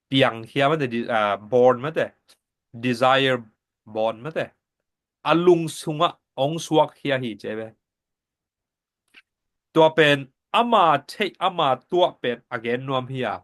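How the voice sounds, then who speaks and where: A man giving a Sabbath School Bible lesson in a steady, explanatory teaching manner. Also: medium pitch, unhurried.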